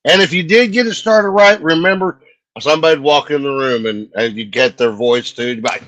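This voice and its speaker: A man's voice: fairly high pitch, fairly quick, a bit bright, a little hiss or hum. A man chatting casually as co-host of a talk show. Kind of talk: casual chat.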